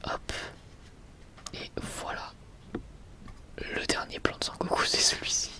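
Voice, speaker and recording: A man's voice: takes it slowly, pushed and bright. A young adult man whispers in a casual, enthusiastic ASMR style, sometimes hesitating as he presents. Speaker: ASMR video creator presenting a manga collection.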